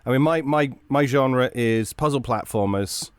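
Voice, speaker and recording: A man's voice: mid-range voice, measured pace, clear, resonant tone, no room sound. A man chatting casually as a podcast guest, polite, hesitant and self-deprecating. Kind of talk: casual chat.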